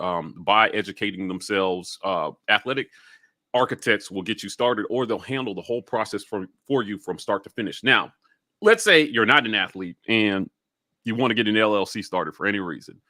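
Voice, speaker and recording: A man's voice: lowish voice, moderate pace, bright, forceful tone, no room sound, clean studio sound. A man co-hosting a sports talk show, speaking casually and enthusiastically through sponsor reads and banter in a chatty way.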